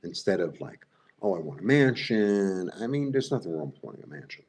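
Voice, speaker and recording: Low husky man with Brooklyn Jewish accent. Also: very animated, brisk, a little mellow. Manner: rambling, repeats himself, many fillers; talks to viewers directly, asks "right?". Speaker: tarot reader. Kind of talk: live-streamed tarot reading.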